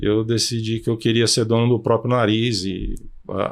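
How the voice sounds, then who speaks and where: A man's voice, fairly low in pitch. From Minas Gerais, Brazil (Uberaba). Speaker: fund manager. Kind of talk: interview conversation.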